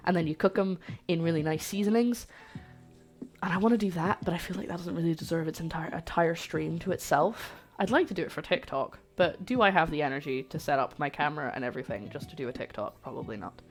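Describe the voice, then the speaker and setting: Chatty woman with a light Scottish accent. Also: deep voice. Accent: light Scottish-English mix. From Scotland. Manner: chatty, rambling, talks to chat. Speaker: cooking streamer. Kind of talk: casual live-stream chat while cooking. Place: home kitchen.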